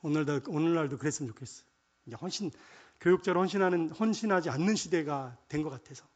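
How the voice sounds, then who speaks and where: A middle-aged male pastor with a fairly high voice delivers a lively sermon. He drops to quiet, chatty asides, then rises to loud, stretched-out proclamations of scripture. He also calls on the congregation to recite lines back with him. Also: quick pace. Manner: animated preaching, swings from soft asides to loud proclamations; quotes scripture in archaic phrasing and leads the congregation in call-and-response.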